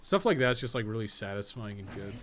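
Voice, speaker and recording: A man's voice: on the low side, big pitch swings, brisk, heavy background noise. A man giving casual live gameplay commentary, thinking aloud in a rambling way and swearing casually. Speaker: podcast co-host and game guide writer.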